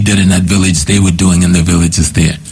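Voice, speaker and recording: With music in the background and audible room echo, a man with an American accent speaks very fast in a very deep, low pitch with fairly even intonation. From US South, Gullah/Geechee area of South Carolina. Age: 70s. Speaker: professor and spiritual leader. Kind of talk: radio interview.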